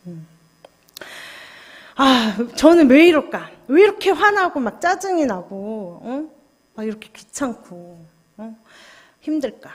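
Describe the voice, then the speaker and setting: A woman's voice: high voice, sing-song, takes it slowly, breathy edge. A woman junior pastor giving a confessional, conversational sermon at a Friday prayer service, asking the congregation questions. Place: church sanctuary. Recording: long church hall reverb.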